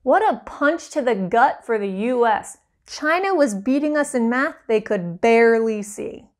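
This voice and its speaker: A woman plays a parody news anchor with a fairly high voice. She reads scripted headlines and punchlines in the same deadpan, mock-serious newscaster manner. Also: unhurried.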